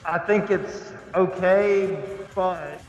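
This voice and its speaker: A man in casual podcast chat, speaking in a hesitant, halting way. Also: high-pitched, fairly even intonation, lo-fi sound, faint music behind. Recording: echoey room with long reverb.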